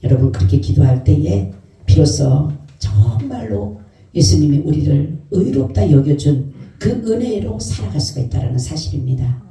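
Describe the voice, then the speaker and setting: A pastor preaching an Easter sermon in a church, lively and questioning the congregation. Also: medium pitch, normal speed. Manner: animated, asks the congregation questions. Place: church sanctuary. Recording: very echoey church hall, mic far off.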